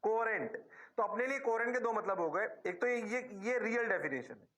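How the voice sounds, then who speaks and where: A physics teacher with an Indian accent speaks a little fast in a high, expressive, somewhat bright voice during a classroom lecture. Drawing out his words, he playfully responds to himself as though he were his students.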